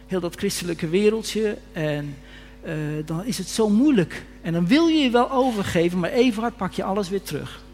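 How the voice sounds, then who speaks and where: A man's voice: high-pitched, animated, moderate pace, darkish tone. A man preaching a sermon earnestly, often rising to fervent emphasis, recorded in a reverberant church hall. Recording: reverberant hall with faint hum.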